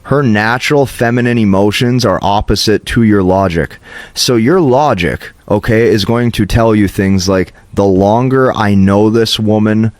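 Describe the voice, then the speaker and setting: A man hosting dating advice content talks a little slowly in a fairly low voice, captured as a dry recording. His monologue to camera is motivational, emphatic, and instructive, punctuated by frequent "okay" check-ins.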